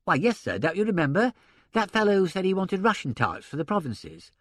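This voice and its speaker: A man's voice: high-pitched, sing-song, brisk, dry recording, clean studio sound, pitched above the performer's own voice, heavily acted. A man voicing a deferential male secretary who answers politely and hesitantly. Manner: hesitant, polite, says sir.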